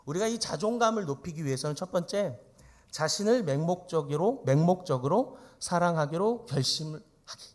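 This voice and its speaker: A man's voice: on the high side, expressive, normal speed, a little mellow. A male pastor preaching an emphatic sermon in church, often turning to the congregation with rhetorical questions.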